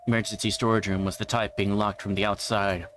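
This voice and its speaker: A man's voice: fairly low pitch, flat delivery, brisk, fairly bright tone, slight background noise. A man reading a visual novel's narration aloud on a livestream, in a storytelling style. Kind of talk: dramatic read-aloud narration of a game script.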